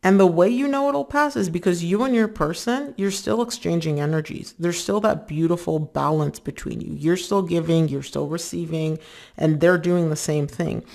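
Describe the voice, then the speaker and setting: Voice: mid-range voice, normal speed, vocal fry, darkish tone. A tarot reader giving a casual reading to viewers, chatty and full of filler words, who often acts out the listener's inner thoughts.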